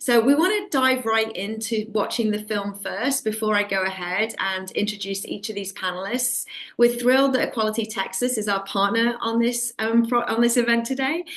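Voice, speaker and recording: Someone with a British accent speaks at a moderate pace with hardly any pauses. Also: woman, fairly high pitch for a woman, ordinary pitch variation. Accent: very British. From Britain. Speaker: event host and filmmaker. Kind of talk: virtual event introduction. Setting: video call. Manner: filler-heavy, with um and uh.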